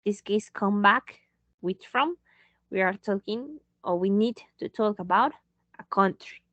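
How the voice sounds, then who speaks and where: Slow-talking woman English teacher. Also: mid-range voice, fairly bright tone, no echo, lo-fi sound. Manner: slow, patient, switching into Spanish to explain. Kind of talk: online English lesson.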